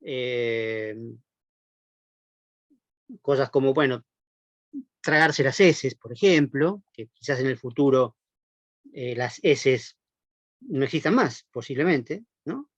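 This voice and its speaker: A man's voice: medium pitch, slow, pauses often, no echo. A man giving a university class lecture, explaining patiently and often checking in with his listeners through tag questions and "eh" fillers. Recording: dull lo-fi, dry recording.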